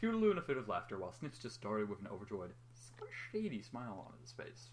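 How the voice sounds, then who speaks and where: Animated, teasing young reader with background noise. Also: medium pitch, fast. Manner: teasing, profane, stumbles while reading. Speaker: reader of a story. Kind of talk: amateur story reading with casual banter.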